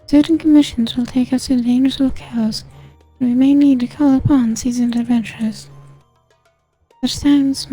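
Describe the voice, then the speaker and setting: A man's voice: extremely high pitch, mellow, pitched above the performer's own voice, low-quality recording. A man through a voice changer as an earnest young woman scholar. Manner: formal, old-fashioned phrasing read from a game script. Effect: voice changer raising the voice. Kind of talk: reading game dialogue aloud for a stream.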